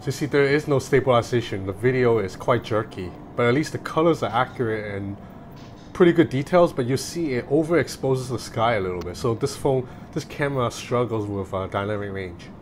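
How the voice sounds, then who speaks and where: A man's voice: medium pitch, animated, a little fast, a little hiss or hum. Casual man reviewing a gadget. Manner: conversational, informal. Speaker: tech reviewer. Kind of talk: casual hands-on phone review.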